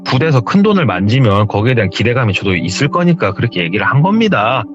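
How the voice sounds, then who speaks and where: A man voicing a cornered shaman who explains herself slowly and defensively in a retold horror story. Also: medium pitch, very animated, dull audio, soft background music, close to an everyday voice. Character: cornered fortune-telling shaman, defensive and calm.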